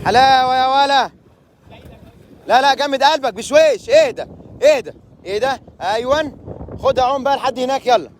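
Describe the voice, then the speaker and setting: High-voiced Egyptian man hyping a crowd. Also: a little fast, long pauses, a little hiss or hum. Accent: Egyptian Arabic. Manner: loud, teasing, urging people on. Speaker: tour host. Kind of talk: lively vlog hosting on a boat trip. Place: outdoors on a boat at sea.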